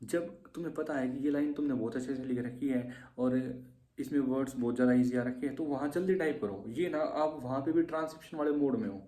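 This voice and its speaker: A man's voice: mid-range voice, brisk, dark tone, reverberant. A man coaching shorthand exam students in an informal lesson, with a habit of repeating "theek hai". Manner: informal and repetitive, often adds "theek hai". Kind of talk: casual exam-tips lesson.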